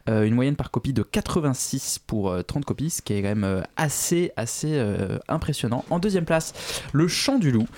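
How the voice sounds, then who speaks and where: A man presenting film news on a radio show in casual chat, hesitant and full of fillers and self-corrections, gently self-mocking. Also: medium pitch, expressive, normal speed.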